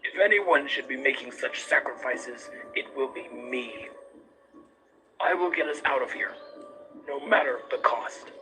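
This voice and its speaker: A man's voice: mid-range voice, a little slow, close to an everyday voice, poor audio. A man playing a grim, self-sacrificing monster scientist in a comic dub, solemn and resolute. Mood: grim resolve. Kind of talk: dramatic comic dub acting. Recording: dub playback with clear music behind. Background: music.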